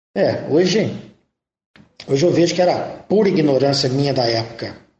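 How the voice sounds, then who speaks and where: Lively intonation from a man, with audible room echo. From Minas Gerais, Brazil. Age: 50s. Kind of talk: pre-recorded testimony.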